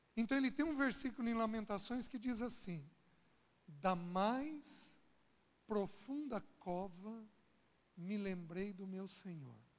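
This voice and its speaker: A man with a high voice and lively intonation speaks at a very slow pace with long, frequent pauses, with audible room echo. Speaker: guest preacher. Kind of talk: sermon.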